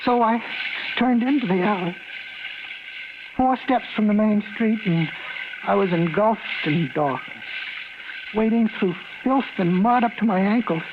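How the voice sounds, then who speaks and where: An actor playing a timid, polite young male tourist who is lost, with a stammering, hesitant way of talking. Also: high-pitched. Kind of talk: 1950s radio drama acting. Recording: hissy lo-fi 1950s radio broadcast.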